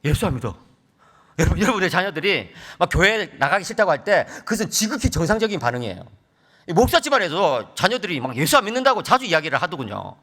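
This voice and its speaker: A man's voice: high voice, quick pace. A middle-aged man preaching a sermon and telling stories with quoted dialogue. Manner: animated storytelling with quoted dialogue.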